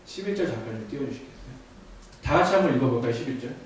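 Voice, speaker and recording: A man's voice: mid-range voice, animated, racing, slight background noise. A man in his thirties preaching a youth sermon, telling a family story with asides to the congregation. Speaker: youth ministry pastor. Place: church sanctuary. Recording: echoey church from far off.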